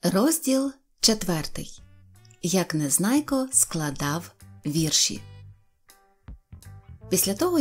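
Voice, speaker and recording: Woman, fairy-tale audiobook narration, calm storytelling, mid pitch, faint music behind. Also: husky.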